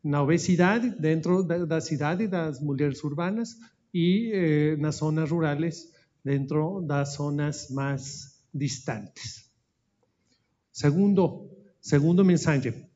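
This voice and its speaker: A man with a Spanish accent presents slides slowly and haltingly, often stopping to search for words. His voice sits a little high for a man. The audio is dull and lo-fi. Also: warm tone. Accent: Spanish-speaking, mixing Spanish into Portuguese. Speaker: speaker at an anniversary event.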